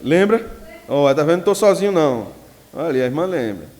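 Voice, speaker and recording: A man's voice: a little high, a little fast. A man preaching as a pastor, teaching and telling jokey stories from his own life. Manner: lively storyteller who jokes with the audience. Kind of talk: teaching sermon with personal anecdotes. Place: church hall. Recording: long reverb of a church hall.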